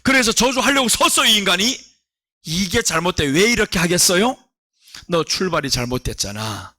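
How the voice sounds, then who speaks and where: A male pastor delivers a sermon with a high, bright voice that swings widely in pitch. He tells the Bible story animatedly and acts out its characters. The sound is close and dry. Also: big pitch swings, normal speed, no echo.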